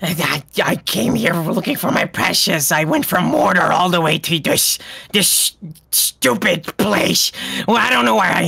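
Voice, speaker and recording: In a raspy, high put-on character voice, a man speaks at a fairly slow pace. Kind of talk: comic improv impression. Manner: whiny, desperate.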